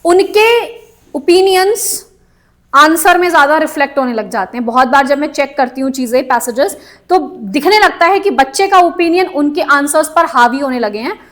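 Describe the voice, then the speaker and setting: A woman's voice: high-pitched, lively intonation, normal speed. A woman teaching an online class, mixing Hindi and English and calling on students by name.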